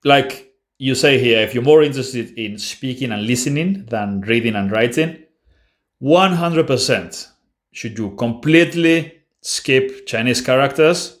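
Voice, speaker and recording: A man's voice: medium pitch, animated, a little slow. A man hosting a casual language-learning Q&A, answering viewer questions bluntly and offhandedly with frequent restarts. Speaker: language-learning channel host.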